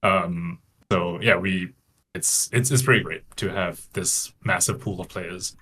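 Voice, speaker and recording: A man's voice: low voice, fairly even intonation, a little slow, sharp tone. A man in his late twenties from Singapore, chatting casually and loosely as an interview guest on a video call. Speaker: podcast guest, card game player. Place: small home room, indoors.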